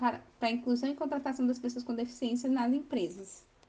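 Here a woman has a high-pitched voice. She speaks with a Brazilian accent. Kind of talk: interview. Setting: recorded audio message.

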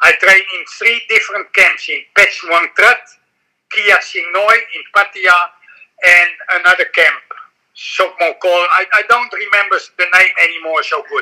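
Against a quiet background, a man with a Dutch accent talks at a fairly slow pace with long, frequent pauses. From Netherlands. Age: 70s. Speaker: martial arts trainer and gym owner. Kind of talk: interview. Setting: video call. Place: home room. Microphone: video call.

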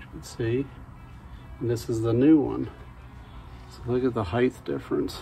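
A man's voice with ordinary pitch variation and faint music in the background. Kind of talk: tutorial. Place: garage. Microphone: phone near.

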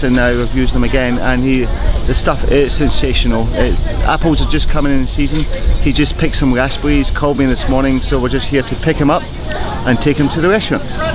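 Over clear background music, a man speaks at a fairly quick pace in a dry sound with no echo. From Scotland. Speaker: executive chef. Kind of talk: casual talk to camera. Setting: outdoors. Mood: enthusiastic. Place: market. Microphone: camera far.

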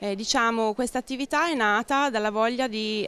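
A Lombard accent at a fairly quick pace, with ordinary pitch variation, in a dry sound with no echo. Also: woman. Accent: non-Tuscan northern Italian (Lombard). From Lombardy, Pavia; Lombardy. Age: young. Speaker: art restorer and painter. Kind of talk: interview. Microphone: handheld.

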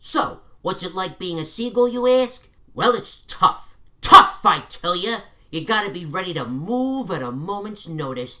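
Using a put-on character voice, a man talks at a high pitch and a moderate pace. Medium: voice reel. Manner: excitable.

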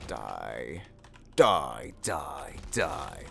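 A man puts on a character voice while clear background noise runs behind him. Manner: menacing.

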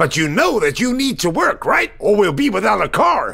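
Over light background noise, a man puts on a character voice at a high pitch and a moderate pace. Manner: exasperated, fussy.

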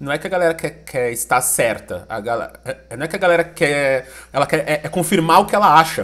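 At a fairly quick pace, a man speaks in a fairly high pitch with ordinary pitch variation. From Brazil. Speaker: filmmaker and narrative strategist; interview guest, podcast director. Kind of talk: casual interview. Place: home room.

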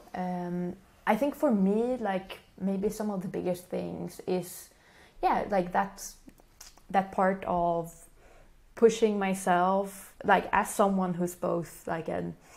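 A woman at a very slow pace, with fairly even intonation. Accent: Swedish. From Sweden, Stockholm; Sweden. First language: Swedish. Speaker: illustrator; podcast guest. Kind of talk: interview. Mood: reflective, relaxed. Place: home room. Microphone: studio mic.

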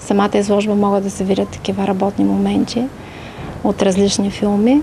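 A woman's voice over light background noise. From Bulgaria. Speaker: archivist. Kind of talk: interview. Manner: halting. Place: garden. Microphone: handheld.

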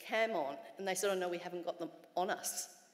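At a fairly quick pace, a woman speaks in an Australian accent with fairly even intonation. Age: 50s. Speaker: patient advocate; conference panelist. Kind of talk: conference panel discussion. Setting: stage with audience. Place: hall. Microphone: podium.

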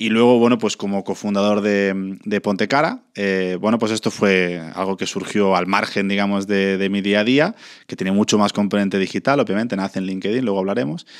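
A man's fairly low voice at a fairly quick pace with hardly any pauses, on a very clean recording with a silent background. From Spain, Barcelona. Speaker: marketing manager and networking event co-founder. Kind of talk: interview. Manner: animated.

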